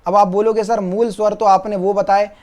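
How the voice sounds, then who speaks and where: A man's voice: sits high, little pitch movement, darkish tone. A man teaching an online exam-prep lesson, who asks the class questions and answers them himself, repeating the key terms and drawing out each letter as he lists them. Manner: slows down and stretches words when listing letters.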